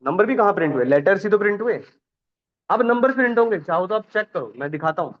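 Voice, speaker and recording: A man teaches a programming class. He questions the students often and repeats each point slowly. The recording sounds dull and lo-fi. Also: sits high, lively intonation.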